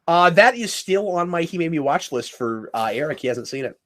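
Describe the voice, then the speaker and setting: A man co-hosting a casual commentary chat, playful and animated, sometimes shouting silly character voices. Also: a little high, fairly quick. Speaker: podcast co-host.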